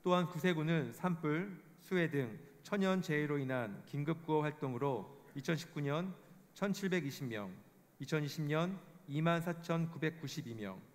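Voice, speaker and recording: A man giving a formal scripted report, reading statistics in a measured way. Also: fairly high pitch. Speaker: presenter of a report. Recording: long hall reverb.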